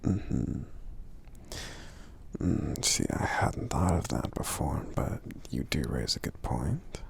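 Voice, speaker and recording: A man playing a friendly, gentle giant in an ASMR roleplay, speaking softly and hesitantly in a breathy, gravelly voice that often nears a whisper, with murmured hums between phrases. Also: rumbling low, lively intonation, takes it slowly, a little hiss or hum, exaggerated voice. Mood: kind, curious.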